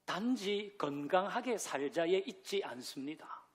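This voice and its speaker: A man's voice: high-pitched, expressive, a little slow, breathy edge. A man preaching a Sunday sermon as pastor, who asks the congregation questions, leads them in reading scripture and drops in light joking asides. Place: church sanctuary.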